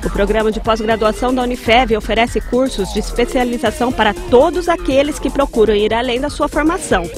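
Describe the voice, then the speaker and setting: A woman's voice: a little high, brisk. A young woman presenting a read news bulletin in a TV studio on a lapel mic. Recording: faint music bed.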